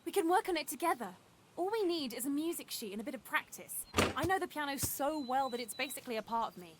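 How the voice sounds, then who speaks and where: A woman's voice: sits high, lively intonation, fast talker, very noisy. An actress playing an earnest, encouraging young woman in a video game, a pianist with a haunted past. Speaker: game character.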